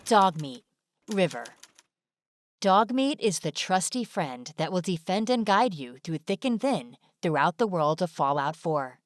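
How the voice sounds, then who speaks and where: A woman's voice: lowish voice, big pitch swings, unhurried, no echo. A woman reading scripted narration as the presenter of an informational video. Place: dry studio voice-over.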